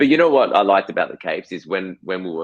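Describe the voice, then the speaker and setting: Speaking with an Australian accent, a man keeps a fairly quick pace. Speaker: actor. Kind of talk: interview. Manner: halting.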